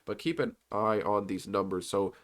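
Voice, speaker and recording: A man's voice: fairly low pitch, moderate pace. Congested man talking through stock slides. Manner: loose and rambling, with many fillers and restarts. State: congested from a cold. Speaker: stock commentary YouTuber. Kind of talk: casual commentary over on-screen slides.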